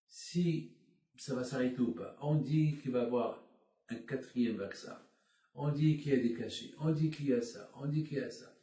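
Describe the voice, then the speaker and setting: Un homme d'âge mûr, rabbin fatigué, prêche par appel vidéo avec des hésitations et des répétitions ferventes, le son lointain et résonnant. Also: male voice, medium pitch, warm tone. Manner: halting, repetitive, heartfelt preaching. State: tired. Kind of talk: sermon over a video call. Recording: echoey, distant video call audio.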